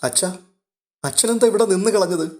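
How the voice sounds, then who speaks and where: A man's voice: sits high, expressive, moderate pace, warm tone, pitched above the performer's own voice. A man voicing an anxious, loving young woman who is a tender elder sister, speaking in a raised, pleading way. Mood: tearful.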